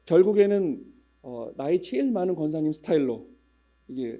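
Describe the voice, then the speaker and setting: Middle-aged man, pastor, humorous church storytelling, very dark timbre, faint mains hum. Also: a little high, animated, normal speed. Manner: chatty, humorous storytelling with regional dialect imitations. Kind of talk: casual church announcements before a sermon.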